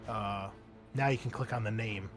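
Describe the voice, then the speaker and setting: A man's voice: fairly low pitch, fairly even intonation, moderate pace, music in the background. Casual male game master. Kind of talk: running an online tabletop roleplaying game.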